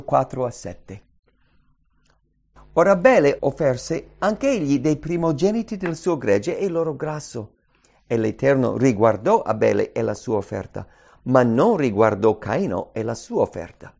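This is a man delivering a sermon, moving between scripture reading and earnest exhortation. His voice carries a gravelly roughness and sits slightly high for a man. He drives his points home by repeating key phrases with emphasis. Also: darkish tone. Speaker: preacher.

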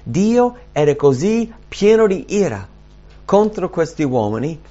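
A man preaching with earnest, dynamic delivery, swinging from loud emphatic peaks to hushed low lines. His voice sits a little high for a man, captured on a dull, lo-fi recording. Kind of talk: sermon.

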